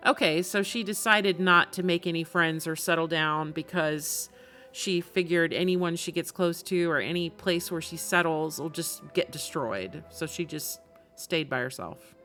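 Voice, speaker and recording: A woman's voice: low-pitched, a little slow, a bit bright, soft background music. A woman game streamer giving casual live reactions, musing aloud in a conversational way.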